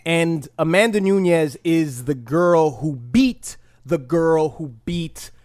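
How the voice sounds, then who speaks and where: A man's voice: on the high side, slow, dry recording. Dry-miked man on a casual podcast. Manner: animated, opinionated, with mock impressions and self-mocking laughs. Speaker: podcast host.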